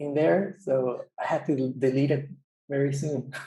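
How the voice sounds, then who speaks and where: A man speaks with a non-native accent at a fairly slow pace. His tone is dark and mellow. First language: not English. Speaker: comic book artist. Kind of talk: casual video interview. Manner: halting.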